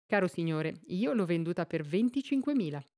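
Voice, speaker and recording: A woman voicing a brisk, businesslike male jeweler in a storybook reading. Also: fairly low pitch, expressive, a little mellow. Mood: assured.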